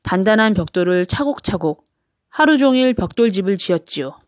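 Woman narrator for bedtime picture books, mid-range pitch, expressive reading for small children, dry sound. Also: brisk, no room sound. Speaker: storyteller.

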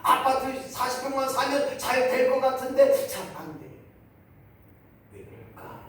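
A man preaching a sermon as pastor, animated, acting out congregants in high mocking voices. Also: a little hiss or hum. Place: church sanctuary. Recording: very echoey church from far off.

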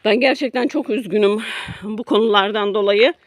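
A woman's voice: mid-range voice, normal speed, no room sound. A middle-aged woman vlogging from her garden to her followers, talking emotionally, first indignant, then apologetic, often repeating herself. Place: garden by a road near woods.

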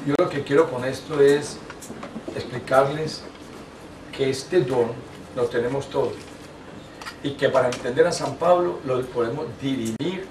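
An older man, a priest, teaching a lay audience in a small meeting room, telling stories with lively asides and restarts. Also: medium pitch, distant mic, background noise. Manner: animated storytelling with frequent asides and restarts. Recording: echoey room, taken from afar.

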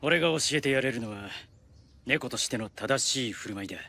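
A man voicing a stern, gruff big black tomcat in a children's cartoon, blunt and commanding like an old-fashioned instructor. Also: medium pitch, animated, a little fast, bright, forceful tone, exaggerated voice. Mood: stern, instructing. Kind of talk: animated children's cartoon acting.

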